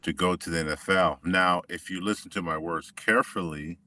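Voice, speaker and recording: Man, middle-aged, very low voice, bright and forceful tone, reflective guest, distant mic. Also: a little fast. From Washington State, US. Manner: relaxed, reflective, many restarts. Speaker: guest, former football player. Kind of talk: conversational interview.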